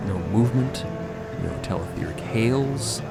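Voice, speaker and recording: A man narrating a scripted story in a dramatic, suspenseful way with deliberate pauses. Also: medium pitch, lively intonation, gravelly. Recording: loud music under the voice. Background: loud music bed.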